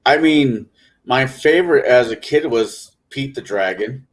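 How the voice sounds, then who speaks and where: A man with a mid-pitched voice talks casually as a guest on a live show. His intonation swings widely, making his questions and reactions sound very animated. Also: measured pace. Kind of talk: casual chat.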